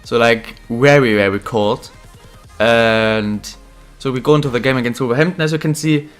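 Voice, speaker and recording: A young man who is a bit ill, chatting casually while commentating his own football video game career, getting excited at goals. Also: medium pitch, normal speed, clean tone, faint music behind. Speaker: gaming channel host.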